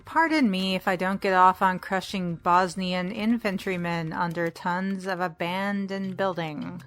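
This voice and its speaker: An actress playing a sardonic, condescending crime boss in an audio drama with a dry, wry delivery. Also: female voice, fairly low pitch, steady tone, a little slow, fairly bright tone, soft background music. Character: cool, sardonic female villainous boss.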